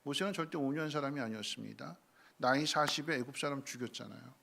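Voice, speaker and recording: Gravelly bright-voiced man preaching. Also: medium pitch, fast. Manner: swings from soft to loud, acts out quoted prayers. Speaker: pastor. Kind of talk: sermon. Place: church sanctuary.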